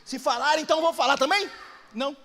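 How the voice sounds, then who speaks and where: A man with a Brazilian Portuguese accent preaching a fervent sermon, often rising to shouted exhortations, in an echoey church hall. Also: extremely high pitch, fast. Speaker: pastor.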